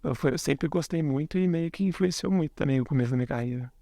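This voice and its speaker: A man around forty from Belo Horizonte, speaking as a guest in a casual podcast conversation, relaxed and thoughtful, often correcting himself mid-sentence. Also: a little high, quick pace, gravelly, dry recording, studio quality. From Brazil, Belo Horizonte. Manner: relaxed, thoughtful, frequent self-corrections, chuckles softly. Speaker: guest, software engineer.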